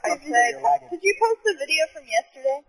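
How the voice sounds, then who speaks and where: High, bright-voiced teenage boy gamer. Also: quick pace. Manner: excitable, shouty, giggly. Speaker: co-op player. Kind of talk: casual gaming chat over party voice chat. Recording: echoey voice chat mic.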